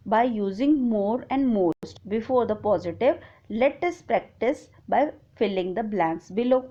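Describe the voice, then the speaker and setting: Woman teacher, spells words letter by letter, mellow higher voice, dull lo-fi sound. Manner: spells words out letter by letter, says "ठीक है" often. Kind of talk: explaining grammar worksheet. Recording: dull lo-fi recording.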